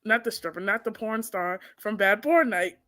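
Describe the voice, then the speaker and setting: A woman co-hosting a podcast in casual chat, playful and quick with asides, laughing often. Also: mid-range voice, lively intonation, fairly bright tone. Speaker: podcast co-host.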